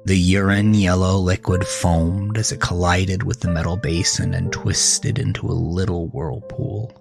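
A man's voice: deep voice, steady tone, measured pace, gravelly. A man narrating a horror thriller story in a scripted, dramatic storytelling style. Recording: close dry voice over faint music. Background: faint music.

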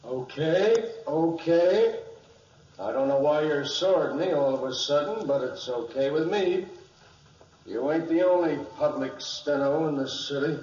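An American actor playing a slangy, offhand racketeer with a casual, unbothered manner, in 1940s radio drama style. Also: male voice, on the high side, measured pace, darkish tone, close to an everyday voice. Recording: dull, echoey old recording with hiss.

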